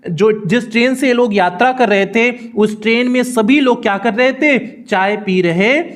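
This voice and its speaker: A man with a North Indian accent teaching a textbook lesson, reading each phrase and then repeating its meaning slowly. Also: very high-pitched. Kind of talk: bilingual line-by-line textbook explanation.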